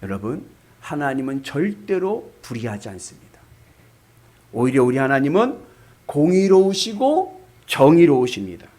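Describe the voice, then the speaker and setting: A man's voice: medium pitch, very animated, normal speed, a little mellow. A man preaching a sermon as pastor, asking the congregation rhetorical questions.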